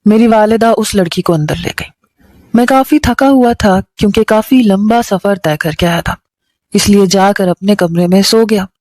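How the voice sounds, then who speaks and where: Mellow-voiced woman storyteller. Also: mid-range voice, moderate pace. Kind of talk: scripted first-person story narration.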